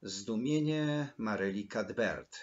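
Slow, measured male audiobook narrator. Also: on the low side, lively intonation, highs cut off. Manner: measured, deliberate storytelling. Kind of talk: scripted literary narration.

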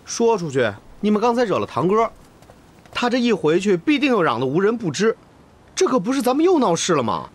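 A man's voice: high voice, very animated, a little fast. Petulant young nobleman. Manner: petulant, defiant. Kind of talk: period TV drama acting.

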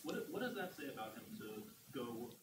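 A man's voice: mid-range voice, very animated, fairly quick, low-quality recording. A man, a sports reporter asking a coach questions at a press conference, hesitant with restarts and fillers, picked up from across the room.

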